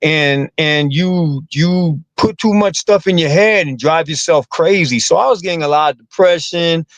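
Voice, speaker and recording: A man's voice: a little high, normal speed, no echo. Guest comic, male, casual and rambling, stacks up repeated words, close dry sound. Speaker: comedian and actor guest. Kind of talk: casual interview talk.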